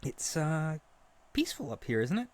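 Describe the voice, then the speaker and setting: A man playing an earnest, lovesick young harpy bird-boy in a roleplay audio drama, gentle and insecure, speaking tenderly with hesitant stammers. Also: a little high, sing-song, normal speed. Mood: wistful. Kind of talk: roleplay audio drama spoken intimately to the listener.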